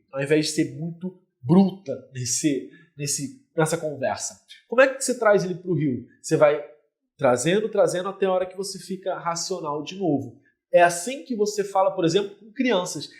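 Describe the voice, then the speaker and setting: Brazilian man coaching viewers directly. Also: fairly high pitch. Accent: Brazilian Portuguese. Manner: talks straight to the viewer, explaining with everyday images. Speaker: relationship mentor. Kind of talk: direct-to-camera coaching talk.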